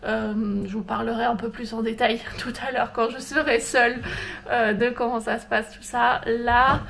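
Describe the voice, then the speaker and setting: A woman's voice: a little high, fairly even intonation, normal speed, gravelly, a bit bright, a little hiss or hum. A young woman, tired and sniffly with a cold, chatting casually at home for her vlog with lots of hesitant fillers. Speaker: vlogger. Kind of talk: casual vlog chat to camera.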